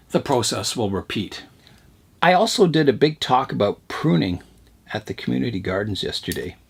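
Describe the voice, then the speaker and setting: A man hosting his bonsai channel, talking casually while he works on a tree, his voice hoarse from talking too much. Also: mid-range voice. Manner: rambling, chatty, talks while pruning. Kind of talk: casual narration while working.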